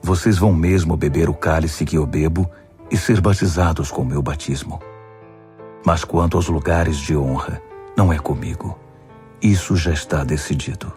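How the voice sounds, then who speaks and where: A man voicing a calm, authoritative male teacher in a dramatized Bible audiobook, solemn, firm and instructive. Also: extremely low pitch, normal speed, soft background music, pitched below the performer's own voice.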